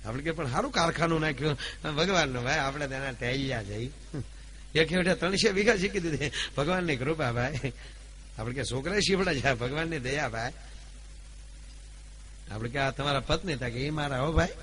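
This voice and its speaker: A man, telling folk stories at a live gathering, declaiming loudly at his peaks and then dropping to a low, confiding tone. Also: moderate pace, slight background noise. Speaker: folk storyteller. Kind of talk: live folk storytelling (dayro).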